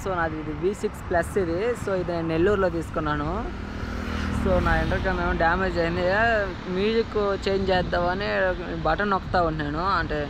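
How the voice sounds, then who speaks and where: A man's voice: high-pitched, steady tone, fairly quick. A man talking casually to viewers as a travel vlogger, repeating himself and mixing in English words. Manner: repetitive, mixes in English words. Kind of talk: casual vlog talk to viewers. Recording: loud traffic and outdoor vehicle noise.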